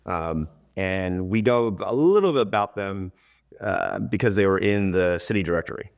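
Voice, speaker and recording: A man with a low voice gives a relaxed, informal interview. He tells things in a loose, rambling storytelling way, dropping in quoted asides as he explains. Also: normal speed, vocal fry. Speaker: interview guest, town crier and tour guide. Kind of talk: casual conversational interview.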